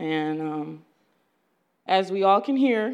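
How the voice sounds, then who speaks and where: In an American accent, a woman talks at a medium pitch with lively intonation against a quiet background. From Memphis, Tennessee. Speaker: recovery program resident. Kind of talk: testimony. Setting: church.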